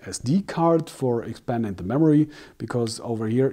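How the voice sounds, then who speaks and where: With a non-native accent, a man speaks in a dark, mellow tone with lively intonation on a very clean recording with a silent background. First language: not English. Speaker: tech reviewer. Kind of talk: product review. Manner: halting, many fillers.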